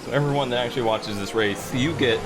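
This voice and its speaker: A man who is losing his voice, giving relaxed, self-deprecating commentary to viewers while playing a racing game. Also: medium pitch, fast talker, over music, rough recording. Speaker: gaming YouTuber. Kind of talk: casual gameplay commentary.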